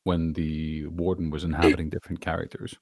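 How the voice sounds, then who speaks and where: A man's voice: a bass voice, level tone, a little fast, darkish tone, no echo, studio quality. A man voice actor chatting casually as he is interviewed. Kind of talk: casual chat.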